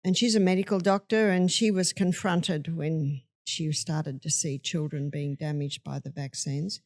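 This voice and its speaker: A woman's voice: low voice, steady tone, unhurried, a little mellow. An older woman speaking as a guest in a conversational interview, emphatic and storytelling, acting out quotes. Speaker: health speaker.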